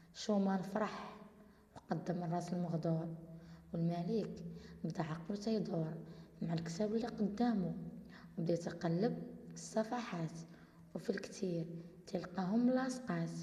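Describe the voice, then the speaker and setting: Someone with a Moroccan accent speaks at a fairly slow pace with ordinary pitch variation. Long, frequent pauses and noticeable background noise fill the clip. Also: woman, fairly low pitch for a woman. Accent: Moroccan Arabic (Darija). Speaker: storyteller. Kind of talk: traditional folk tale narration.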